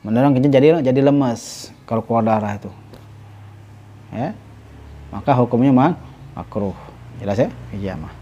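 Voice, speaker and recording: Halting ustadz teaching fasting rules. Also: male voice, medium pitch, mellow. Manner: halting, frequent self-corrections and repeated "ya"; reads Arabic text slowly, then explains. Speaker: ustadz teaching a kitab class. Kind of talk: religious study lecture. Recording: dull lo-fi recording.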